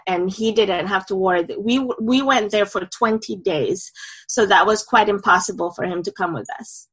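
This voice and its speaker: A woman's voice: medium pitch, a bit bright, rough recording. A woman in her thirties from Indonesia, a guest on an interview podcast, speaking hesitantly with many filler sounds.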